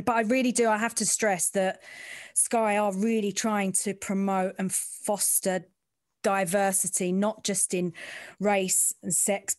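A woman's voice: mid-range voice, dry recording, studio quality. A woman from London's East End with an East London, Essex-like twang, talking frankly and informally in an interview as a sports reporter. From East End of London, England. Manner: informal, frank, working-class way of speaking. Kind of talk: candid conversational interview.

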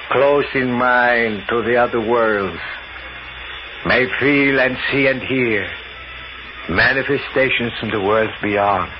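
An actor playing a smooth, scheming swindler boss in an old radio crime drama, muffled by the vintage recording. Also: male voice, medium pitch, background noise. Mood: solemn, intoning. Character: smooth scheming con-man boss posing as spirit medium.

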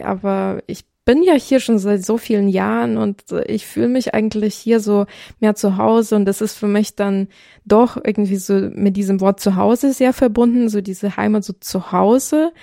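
A woman's voice: mid-range voice, vocal fry, dark tone, no echo, clean studio sound. A young woman from Ukraine, co-hosting a podcast, talking things through in a reflective, casual way with many fillers. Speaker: podcast co-host. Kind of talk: casual conversation.

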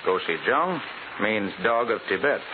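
An actor playing a confident private detective in 1940s radio style, explaining things precisely with an American accent. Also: male voice, lowish voice, lively intonation, unhurried, phone-quality sound. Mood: assured, explanatory. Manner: precise, expository, authoritative. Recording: hissy, band-limited 1940s radio recording.

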